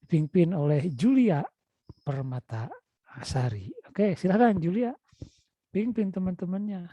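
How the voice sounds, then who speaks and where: Coaxing his students and calling out to them again and again, a lecturer with a Sundanese-influenced Indonesian accent teaches an online class. His voice sits high, with lively intonation, an unhurried pace, a dark tone, and no room sound. The audio is dull and lo-fi from a video call.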